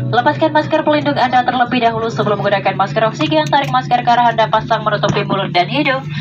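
Music plays clearly behind the speech. The woman's pace is very fast. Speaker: flight attendant announcer. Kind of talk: safety announcement. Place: plane.

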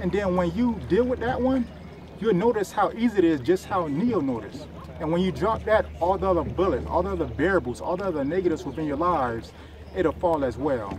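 A man with a high pitch talks at a fairly quick pace, dry with no echo but with noticeable background noise. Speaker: travel vlogger. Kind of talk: motivational vlog talk. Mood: calm, earnest, reflective. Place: waterside. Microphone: phone near.

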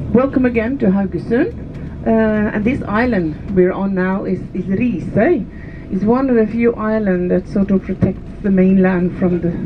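A woman talks at a moderate pace with ordinary pitch variation over noticeable background noise. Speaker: tour guide. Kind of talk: commentary. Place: bus.

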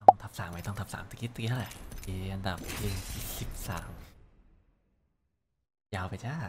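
Loud background noise surrounds a man who whispers in a somewhat breathy way. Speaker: streamer. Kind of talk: gameplay stream commentary. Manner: whispered. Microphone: studio mic.

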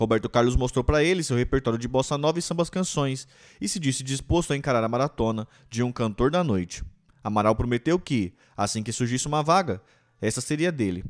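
Over a quiet background, a man talks with lively intonation. His pace is fairly quick. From Brazil. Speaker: youtuber reading a book aloud. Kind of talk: reading aloud. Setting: live stream. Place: home room. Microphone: studio mic.

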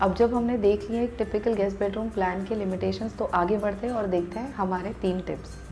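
Clear music plays in the background as a woman talks at a moderate pace with hardly any pauses. Her intonation is fairly even. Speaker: presenter. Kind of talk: tutorial. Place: home room.

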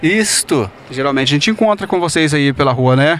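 Moving at a moderate pace, a man's fairly high voice makes very wide pitch swings, heard with light background noise and a dry sound with no echo. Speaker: street-interview TV host. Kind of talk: live street interview, casual. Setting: outdoors, pedestrian street. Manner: animated, chatty. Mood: friendly, upbeat. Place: street. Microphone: handheld.

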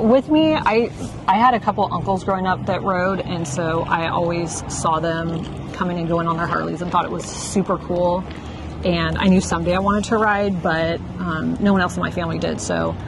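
A woman speaks over noticeable background noise. The sound is dry, with no echo. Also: moderate pace. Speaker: motorcycle vlogger. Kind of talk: casual vlog chat. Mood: relaxed, friendly. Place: street. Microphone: lapel.

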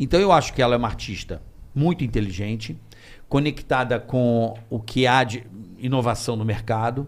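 The pace here is moderate, with ordinary pitch variation. Long pauses come frequently. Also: man. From Brazil. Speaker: musician; podcast host. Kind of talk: casual podcast interview. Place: studio. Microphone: studio mic.

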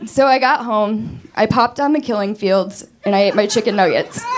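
Over light background noise, a woman with an American accent talks at a moderate pace with ordinary pitch variation. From rural western New York. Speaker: stand-up comedian. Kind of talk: stand-up comedy set. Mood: self-deprecating, wry. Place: stage. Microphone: handheld.

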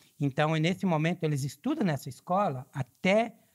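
Somewhat breathy and fairly high-pitched, a man speaks with lively intonation against a quiet background. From Brazil. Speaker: keynote speaker and customer service expert; keynote speaker. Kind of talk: interview chat. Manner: halting. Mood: relaxed, warm. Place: studio. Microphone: studio mic.

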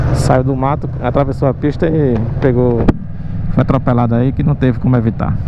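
A man speaks at a moderate pace through loud background noise, the sound dry and free of echo. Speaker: motorcycle vlogger. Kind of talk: casual vlog chat. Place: motorbike. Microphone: helmet.

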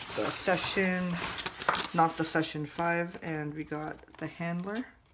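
Delivery comes at a fairly slow pace, with noticeable background noise. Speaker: unboxing vlogger. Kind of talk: casual unboxing narration. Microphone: phone near.

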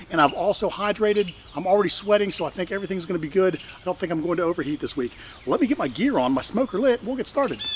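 Against light background noise, a man speaks at a very fast pace. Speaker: beekeeper vlogger. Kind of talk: casual vlog chat. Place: garden.

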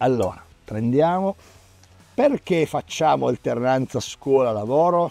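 Pausing long and often, a man speaks at a fairly slow pace in a dark, mellow tone. His intonation is lively, and the sound is dry with no echo. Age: 50s. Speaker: high school teacher; teacher in a debate. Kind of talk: discussion of opinions. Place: studio. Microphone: lapel.

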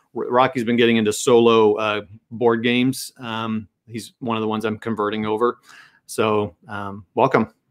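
A man talks at a moderate pace with an American accent, his intonation monotone and flat. The background is quiet. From US Midwest (St. Louis area). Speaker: YouTube host of a miniature wargaming channel. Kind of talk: casual live-stream interview chat. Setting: video call live stream. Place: home room.

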